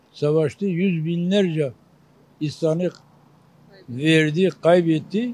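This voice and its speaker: A man talks fairly slowly. His voice is high-pitched. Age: 70s. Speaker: street interview interviewee. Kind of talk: street interview opinion. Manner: animated.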